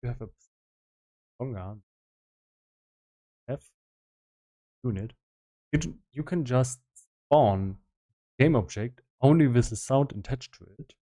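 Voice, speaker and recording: Guy streaming his game dev work, talks slow n halting, relaxed mellow voice. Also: medium pitch. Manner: halting, thinking aloud in fragments. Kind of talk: casual live-stream work commentary, explaining.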